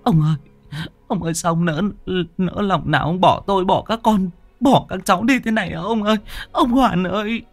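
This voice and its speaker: A man's voice: normal speed, soft background music. A man voicing an old woman wailing in grief over her dead husband in a ghost story. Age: older. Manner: high keening wail.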